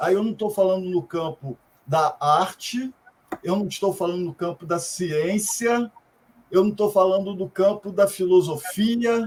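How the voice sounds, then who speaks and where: A fairly slow man's voice, high in pitch, with ordinary pitch variation. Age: 60s. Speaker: psychology professor. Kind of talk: panel talk.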